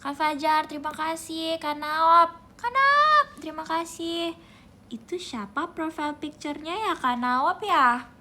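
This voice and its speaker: Wanita ceria bersuara tinggi dan terang. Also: female voice, high voice, steady tone, a little slow, slight background noise. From Indonesia. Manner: playful, soft-spoken, sings snippets and reads out gifter names. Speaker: idol live streamer. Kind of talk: casual livestream chat.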